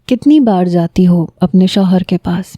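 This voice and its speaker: A woman voicing a smooth-talking young man who calmly asks probing, personal questions. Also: fairly low pitch, no echo, muffled recording, lightly acted.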